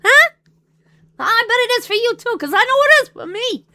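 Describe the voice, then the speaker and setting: A woman's voice: very high-pitched, big pitch swings, normal speed, sharp tone, pitched above the performer's own voice, exaggerated voice. A woman putting on a rowdy Canadian man from Ontario who rambles crudely with lots of fillers. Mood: rowdy, mocking.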